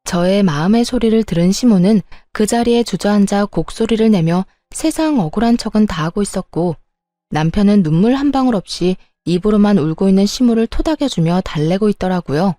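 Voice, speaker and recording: Warm-voiced woman telling a story. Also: medium pitch, animated, fairly quick, no room sound, clean studio sound. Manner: indignant, confiding. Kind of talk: first-person story narration.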